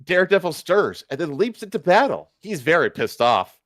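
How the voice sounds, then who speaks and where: Male streamer reading amateur fiction live: higher-pitched, animated, irreverent, loose with stumbles and asides. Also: normal speed, dry recording, studio quality. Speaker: streamer, host. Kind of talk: live fan fiction reading with offhand comments.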